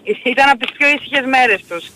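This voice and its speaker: Bright-voiced chatty woman caller. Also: high voice, animated, a little hiss or hum, rough recording. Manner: chatty, rambling with fillers. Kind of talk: casual call-in chat.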